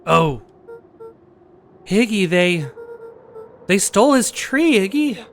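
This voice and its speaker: A man's voice: high voice, lively intonation, slow, faint music behind, exaggerated voice. A man voicing an earnest, emotional young boy as he reads a mystery game's dialogue aloud. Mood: upset. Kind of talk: reading game dialogue aloud in character.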